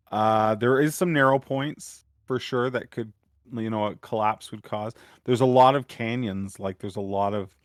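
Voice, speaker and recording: A man acting as game master on a streamed tabletop game, explaining with many pauses and fillers. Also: on the low side, no room sound, clean studio sound. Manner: hesitant, filler-heavy explaining.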